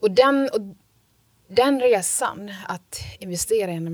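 This woman speaks in a calm tone. She keeps a fairly slow pace. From Sweden, raised from age two; born in Uganda. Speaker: leadership network founder. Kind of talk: casual interview.

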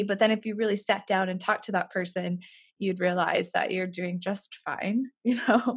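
A woman speaks in a calm tone at a fairly slow pace against a quiet background. Her voice is somewhat breathy and medium in pitch, with fairly even intonation. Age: 30s. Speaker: podcast host. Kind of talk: casual chat.

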